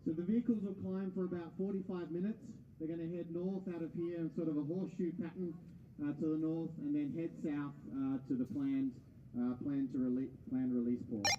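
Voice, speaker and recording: A man's voice: fairly high pitch, steady tone, fairly quick. A man giving an explanatory commentary in a played clip with thin, distant sound. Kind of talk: explanatory commentary on a flight plan. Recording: distant, tinny phone-like clip with noise.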